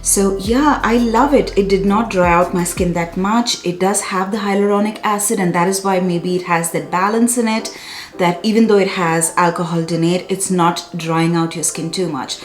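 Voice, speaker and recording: A woman's voice: on the low side, steady tone, normal speed, echoey room. A woman in her thirties chatting to camera in a casual beauty review, effusive and often correcting herself. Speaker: beauty vlogger. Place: small bright room indoors.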